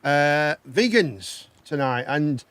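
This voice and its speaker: A high-voiced man with a Black Country accent hosts a casual chat. His pitch swings widely and he is effusive, saying things again for emphasis. The sound is close and dry. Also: lively intonation, slow, a bit bright, no echo. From Dudley, England. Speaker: host of a live talk show.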